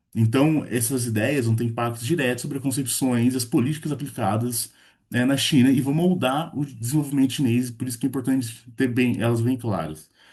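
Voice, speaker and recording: A man with a medium pitch and a somewhat breathy voice speaks at a fairly quick pace with hardly any pauses and ordinary pitch variation. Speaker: academic researcher presenting a paper. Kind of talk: conference presentation.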